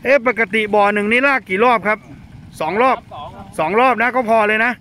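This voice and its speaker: A man's voice: sits high, fairly quick, bright, forceful tone. A man narrating on the spot as a vlog host, politely and repetitively addressing his viewers. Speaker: vlogger host. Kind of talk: spontaneous on-site narration for viewers. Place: outdoors beside fish ponds. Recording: outdoor phone video with clear background noise.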